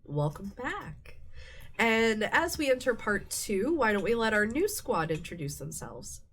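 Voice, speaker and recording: A woman's voice: mid-range voice, very animated, unhurried, fairly bright tone, husky. A woman running a tabletop role-play game, setting scenes in a conversational, improvised way. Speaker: game master.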